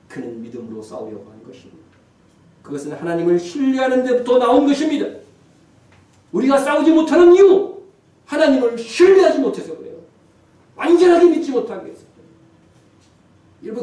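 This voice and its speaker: Male pastor, high voice, forceful sermon, heavy reverb of a large sanctuary. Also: sing-song, a little fast, long pauses. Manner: emphatic exhortation that swells to loud appeals. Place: church sanctuary. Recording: echoey church hall from far off.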